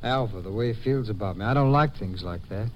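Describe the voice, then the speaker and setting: A man's voice: fairly low pitch, fairly quick, lightly acted. An American man playing a serious, stubborn and uneasy young ranch son in a 1950s radio western. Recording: muffled, noisy old radio recording.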